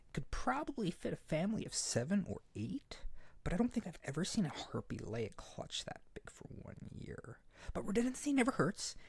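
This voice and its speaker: A man's voice: mid-range voice, creaky, slightly rough, dry recording, full character voice. A man playing a hyper, naive and desperate harpy boy in an ASMR character roleplay, earnest and pleading. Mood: proud, eager. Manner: pleading, excitable, stammering, earnest.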